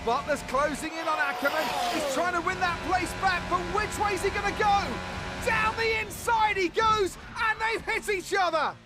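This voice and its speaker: A man commentating a race in excited play-by-play, shouting at the action. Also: very high voice, normal speed, over loud music.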